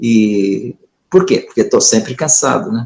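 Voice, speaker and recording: A man speaks at a fairly slow pace, his voice somewhat breathy. His pitch swings very widely. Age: 60s. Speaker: spiritist lecturer. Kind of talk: interview in online talk. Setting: online video call. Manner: halting, many fillers.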